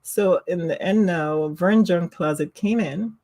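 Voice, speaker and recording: A woman's voice: lowish voice, a little slow, warm tone. A woman with a Jamaican accent hosting a casual livestream, chatting with viewers and laughing often at herself. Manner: giggly, laughs often, self-teasing. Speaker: livestream host. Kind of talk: casual livestream chat reading comments.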